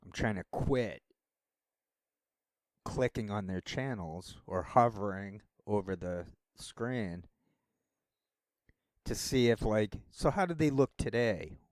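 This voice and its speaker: A man's voice: fairly low pitch, animated, takes it slowly, pauses often, a little mellow, no room sound. A man rambling through a casual solo monologue as a vlogger, wandering from thought to thought. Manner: rambling, meandering talk.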